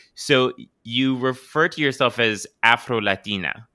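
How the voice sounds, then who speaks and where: The voice has a bright, sharp, enthusiastic tone in a very clean recording with a silent background. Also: man. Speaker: language teaching podcast host. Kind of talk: casual interview.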